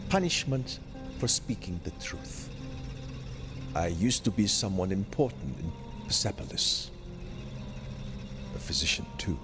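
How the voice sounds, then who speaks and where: A man's voice: low voice, full character voice. An actor playing a patient, older exiled physician in a video game, musing and teasing as he sets challenges. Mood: wistful, patient. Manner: slow, musing, teasing, dramatically swooping delivery.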